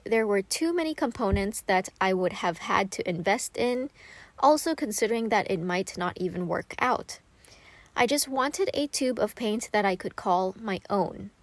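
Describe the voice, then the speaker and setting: A woman's voice: mid-range voice, no echo. A woman from Thailand, narrating a voiceover for her art channel in a chatty, upbeat way, with a bit of self-deprecating humor. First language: Thai. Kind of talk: voiceover narration of a craft video.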